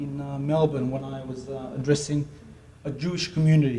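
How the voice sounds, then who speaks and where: There is noticeable background noise behind this man. He talks at a fairly quick pace. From Australia. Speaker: interfaith dialogue leader, former engineer. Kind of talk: speech at a dinner. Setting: dinner event with audience. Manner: hesitant, many fillers.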